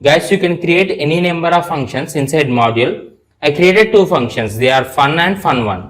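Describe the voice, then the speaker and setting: A man's voice: fairly high pitch, expressive, brisk, a bit bright. A man with an Indian accent giving a step-by-step programming tutorial in a repetitive, instructional manner. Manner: repetitive, instructional, spells terms out letter by letter.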